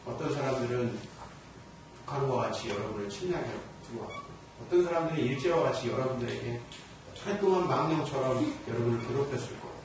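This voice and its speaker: A male pastor preaching a Sunday sermon, moving between soft confiding passages and loud emphatic ones, recorded in a church sanctuary. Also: mid-range voice, animated, fast talker, background noise. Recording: echoey church hall, mic far off.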